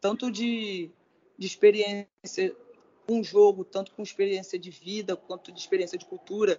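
Her loudness swings widely as a woman speaks at medium pitch and a moderate pace in a monotone, flat intonation. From Brazil, Rio de Janeiro (Santa Marta community). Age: 20s. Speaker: basketball player. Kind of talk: podcast interview. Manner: halting, with frequent repetitions.

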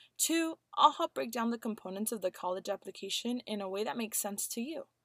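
A woman speaks at a fairly high pitch. The sound is dry and close with no echo, and the recording is very clean with a silent background. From US, Mexican and Guatemalan immigrant family. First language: Spanish. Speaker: college admissions advisor. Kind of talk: podcast intro monologue. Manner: energetic, encouraging.

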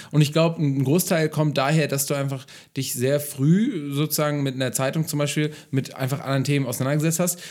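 Very clean recording, silent background. A man with a fairly high pitch talks at a very fast pace with fairly even intonation. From northern Germany, Kiel. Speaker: podcast co-host. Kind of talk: casual interview chat.

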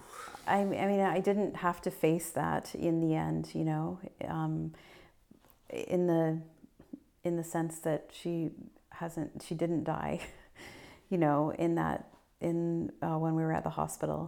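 A woman with a Canadian accent talks at a very slow pace. Her speech has long, frequent pauses. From Ontario, Canada. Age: 40s. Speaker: midwife. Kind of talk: casual interview. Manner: halting.

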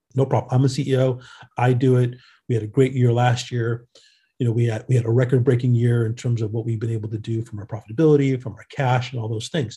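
Speaking very fast, a man uses a medium pitch and flat, monotone intonation, his voice somewhat breathy. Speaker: author and business executive. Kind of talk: casual interview chat.

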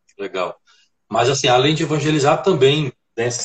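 Somewhat breathy, a man talks at a moderate pace with ordinary pitch variation, the sound dry and close with no echo. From Fortaleza, Ceará, Brazil. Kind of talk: casual interview on an Instagram live.

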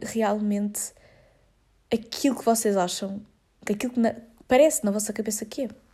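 A woman speaks fairly quickly in a European Portuguese accent, her pitch fairly high. Her tone is dark and mellow, somewhat breathy, with fairly even intonation. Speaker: podcast host. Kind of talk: casual solo talk.

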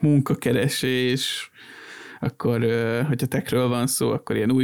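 A man talks at a moderate pace. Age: 20s. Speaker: podcast co-host. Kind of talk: casual chat.

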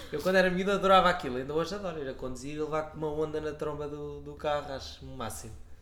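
The speech moves at a very fast pace with big swings in loudness. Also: man, fairly high pitch for a man, ordinary pitch variation, hardly any pauses. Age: 20s. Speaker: podcast co-host. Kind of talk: casual chat.

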